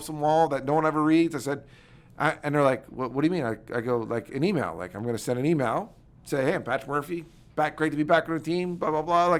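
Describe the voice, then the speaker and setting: With an American accent, a man talks at a very fast pace with a fairly high pitch. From Philadelphia (Northeast Philly), US. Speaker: war veteran and former politician. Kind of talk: podcast interview. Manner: animated.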